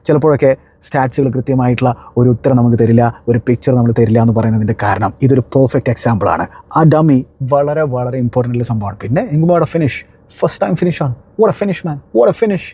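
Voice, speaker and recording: A man talks through a football match review at a very fast clip, chatty and emphatic. His tone is dark and mellow. The sound is dry and close, with no room around it. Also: medium pitch, no echo. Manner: conversational, emphatic exclamations. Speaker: football analyst.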